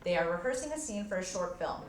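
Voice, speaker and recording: A woman reading the stage directions of a play in an even, measured way. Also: medium pitch, echoey room, a little hiss or hum.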